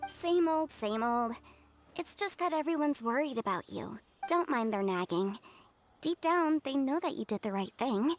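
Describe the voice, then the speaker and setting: A woman voicing a caring, brisk, protective young sister in an anime-style video game. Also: high voice, lively intonation, faint music behind. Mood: concerned.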